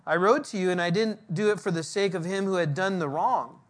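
A male pastor preaching a verse-by-verse sermon in a church, teaching deliberately and posing rhetorical questions to the congregation. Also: high-pitched.

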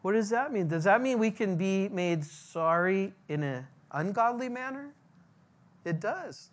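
A male pastor preaching a verse-by-verse sermon in a church, teaching deliberately and posing rhetorical questions to the congregation. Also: high-pitched, animated.

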